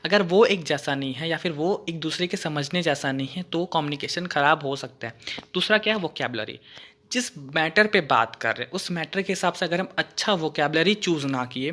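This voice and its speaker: A man's voice: on the high side, sharp tone. A man tutoring through a course lesson in a casual, conversational way, using everyday examples and often asking "right?" to check that listeners follow.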